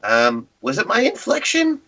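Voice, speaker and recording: A man's voice: sits high, wildly swooping pitch, unhurried, sharp tone, far from the mic, highs cut off. A man playing a tabletop roleplaying game, trading playful banter in character.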